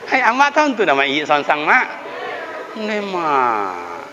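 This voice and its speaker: A man preaching a lively, humorous village sermon, telling folksy stories and calling out to the elders. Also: on the high side, measured pace, crowd noise, background noise. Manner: humorous storytelling with folksy asides, addressing elders directly. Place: mosque. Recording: reverberant hall sound, dull lo-fi.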